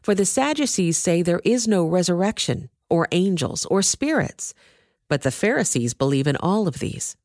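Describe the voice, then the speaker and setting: A woman narrating a scripture reading in a measured, expressive way. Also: fairly low pitch, no room sound, studio quality. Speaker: reader.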